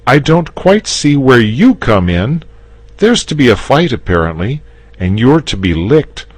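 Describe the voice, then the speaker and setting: A man's voice: medium pitch, big pitch swings, unhurried, no echo, voice pushed up. A man doing an eager, earnest boy. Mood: insistent. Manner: eager, insistent. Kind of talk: storybook reading.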